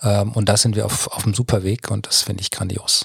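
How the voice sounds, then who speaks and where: A man speaks at a moderate pace in a fairly low, somewhat breathy voice with fairly even intonation, the sound dry and close with no echo. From Swabia, southwest Germany. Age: 50s. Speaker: public agency executive. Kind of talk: interview conversation. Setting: studio. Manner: hesitant with many fillers.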